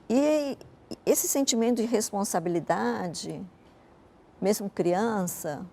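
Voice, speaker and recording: Older woman with a gravelly, mellow voice. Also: mid-range voice. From Japan. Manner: reflective storytelling, frequent "né" tags. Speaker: interview guest, businesswoman. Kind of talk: conversational interview.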